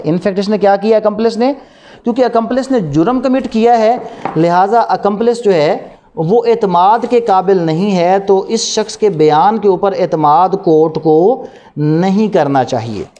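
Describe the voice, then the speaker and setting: A warm, high male voice with a Pakistani accent belongs to a law lecturer addressing his class. He switches between Urdu and English legal terms, lecturing in a didactic style full of repetition and rhetorical questions.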